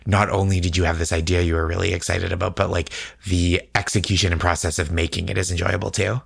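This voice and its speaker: A man co-hosting a podcast in a relaxed, casual chat, attentive and encouraging toward his partner. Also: low-pitched, quick pace, creaky, breathy edge, no echo, studio quality. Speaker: podcast co-host.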